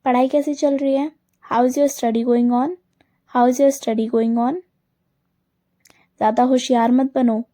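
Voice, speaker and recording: A woman teaching English phrases, saying each one quickly and then slowly repeating it twice. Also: high-pitched, steady tone, warm tone. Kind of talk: slow phrase drill lesson.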